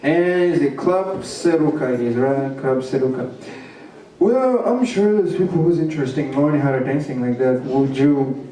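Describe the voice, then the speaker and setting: A man's voice: mid-range voice, expressive, normal speed, mellow. A man from Burundi interviewing someone casually at a live event, with lots of fillers and laughs. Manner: chatty, laughing, filler-heavy questions. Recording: very echoey hall, distant mic.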